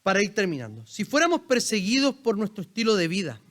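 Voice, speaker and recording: High-voiced Chilean pastor preaching. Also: male voice, wildly swooping pitch, fast, fairly bright tone. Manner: conversational, questions the congregation directly. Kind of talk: sermon. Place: church sanctuary.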